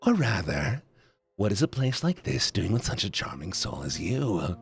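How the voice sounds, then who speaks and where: A man's voice: on the low side, sing-song, normal speed, vocal fry, breathy edge, no echo, heavily acted. A man doing a purring, sinister king. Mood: charming. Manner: purring, theatrical, velvety courtesy. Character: smooth, flirtatious, sinister male self-styled king. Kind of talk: visual novel voice acting on a stream.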